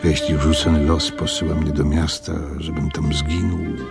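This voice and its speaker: An actor playing a weary old Jewish innkeeper, solemn and measured, in a radio drama. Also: male voice, extremely low pitch, flat delivery, gravelly, over loud music. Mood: pleading. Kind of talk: Polish radio drama narration and monologue.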